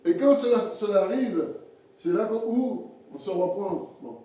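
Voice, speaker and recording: A man preaching a sermon in a halting way, repeating words and acting out little everyday scenes. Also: high-pitched, lively intonation, warm tone. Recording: echoey hall from far off.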